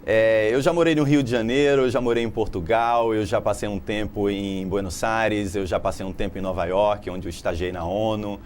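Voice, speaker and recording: A man's voice: on the low side, steady tone, moderate pace, hardly any pauses, a little mellow, a little hiss or hum. A man from Brazil in his thirties, a political scientist, explaining his ideas at length as a TV interview guest. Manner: articulate, explanatory, laughs easily.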